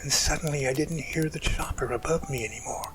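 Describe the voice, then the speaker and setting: A man acting in an amateur audio drama as an emotional man haltingly recounting a rescue that overwhelmed him. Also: fairly high pitch, over music, lightly acted, low-quality recording. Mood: shaken, intense.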